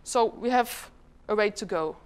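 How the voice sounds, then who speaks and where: Speaking at a measured pace in a smooth, slightly mellow mid-range voice, this Flemish department head from Belgium presents at a conference in a conversational way. She's middle-aged, Dutch is her first language, and she asks the audience questions.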